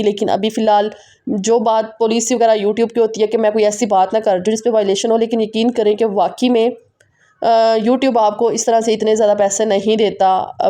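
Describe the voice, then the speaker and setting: A woman vlogger with a Pakistani Urdu accent, chatting quickly and directly to her viewers in a casual voice-over. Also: a little high, warm tone. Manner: fast, run-on, talking straight to viewers.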